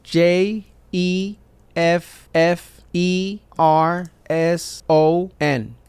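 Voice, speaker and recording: A man playing a calm, careful interview applicant. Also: high voice, drawn-out words, clear, resonant tone, no room sound, exaggerated voice. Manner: short, plain, careful answers. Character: male citizenship applicant answering an officer. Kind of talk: scripted practice dialogue.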